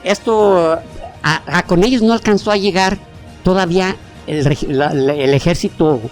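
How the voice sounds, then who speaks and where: With soft background music underneath, a Mexican Spanish-accented podcast co-host recounts history in an animated, rambling, casual style full of slang, fillers and restarts. The voice sits at medium pitch and moves at a normal speed.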